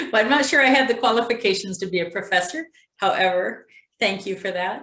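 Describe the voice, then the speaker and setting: Delivered fairly quickly, an ordinary speaking voice shows ordinary pitch variation. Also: woman, medium pitch for a woman. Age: 60s. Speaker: event host, former call center manager. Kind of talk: casual chat.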